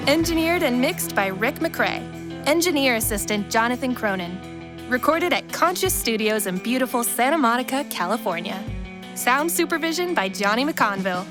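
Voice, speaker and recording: A woman giving theatrical, announcer-like scripted narration for a fiction podcast. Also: on the high side. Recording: loud music behind the voice. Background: loud music.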